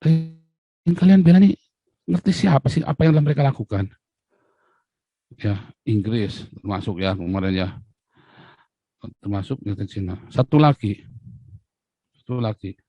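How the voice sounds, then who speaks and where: A man delivering an angry political rant in Indonesian, repeating himself and swinging between loud outbursts and low muttered asides. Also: animated, moderate pace, pauses often, no echo, dull audio. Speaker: political commentator. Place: abroad, talking to camera.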